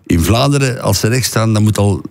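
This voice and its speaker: Deep-voiced Flemish actor, measured. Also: male voice, animated, darkish tone. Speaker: stage actor guest. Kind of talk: interview talk. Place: TV studio.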